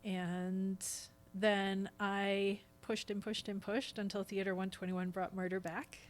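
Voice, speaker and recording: A woman speaks as an interview guest on a podcast. Her voice is medium in pitch, and she talks in a conversational, chatty way, happily explaining details. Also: level tone, takes it slowly. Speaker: guest, stage actress. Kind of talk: casual podcast interview chat.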